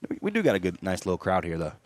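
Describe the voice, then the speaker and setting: A man's voice: sits low, wildly swooping pitch, slight background noise. A man giving casual, chatty color commentary on a radio baseball broadcast from a ballpark press box. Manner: casual, chatty, drawn-out fillers.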